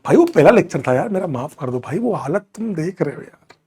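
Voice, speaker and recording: A middle-aged man runs a live online chemistry lecture, working through student doubts. His voice sits high for a man, and he teases and scolds his students bluntly while slipping English terms into his talk. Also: big pitch swings, brisk, darkish tone, husky. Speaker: chemistry teacher.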